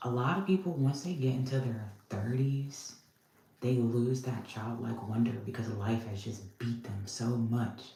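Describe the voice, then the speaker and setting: A woman with a very deep, low voice speaks at a fairly slow pace with ordinary pitch variation, amid noticeable background noise and audible room echo. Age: 30s. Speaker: livestreamer. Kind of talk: casual chat. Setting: livestream.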